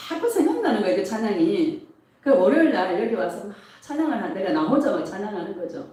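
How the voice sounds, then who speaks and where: Woman pastor, animated sermon delivery, mellow tone, recorded at a distance in a reverberant church. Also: mid-range voice, quick pace. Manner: emotional, animated preaching with laughs. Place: church sanctuary. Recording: echoey church hall, mic at a distance.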